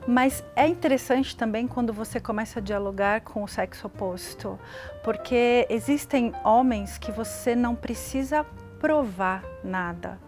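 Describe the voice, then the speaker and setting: A woman's voice: a little high, a little mellow. A woman, a visual artist, talking as a guest on a panel show, earnest and emphatic, coming back to her point. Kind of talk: casual talk-show conversation. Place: living-room studio set.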